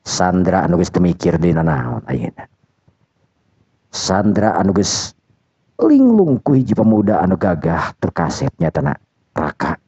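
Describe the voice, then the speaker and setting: A man's voice: sits low, warm tone, slightly rough, no room sound. A man narrating a folk tale, rambling and correcting himself as he goes. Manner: rambling, self-correcting storytelling. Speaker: storyteller. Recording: dull dry lo-fi recording.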